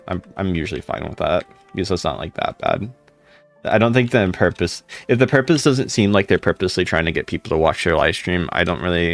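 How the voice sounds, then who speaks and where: A young man with a deep voice, casually chatting with viewers on a live stream. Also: creaky. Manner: laid-back, rambling, chatting to viewers. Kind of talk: casual live stream chat, reading comments. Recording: faint music in background.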